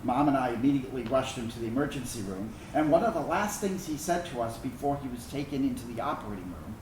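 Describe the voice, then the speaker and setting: A man acting in a staged reading as a reflective, wounded but tender gay son of a military family, telling a personal story earnestly and haltingly. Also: medium pitch, lively intonation, close to an everyday voice. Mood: somber. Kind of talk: dramatic monologue reading of a personal narrative. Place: indoor room, staged reading. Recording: echoey room, distant mic, background noise.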